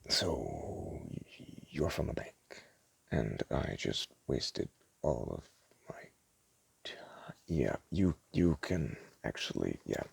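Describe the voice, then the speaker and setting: A man doing a soft-spoken ASMR roleplay as a store clerk, talking in a casual, hesitant, rambling way. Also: extremely low pitch, sing-song, slow, gravelly, long pauses, breathy edge. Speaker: ASMR creator playing a DVD store clerk.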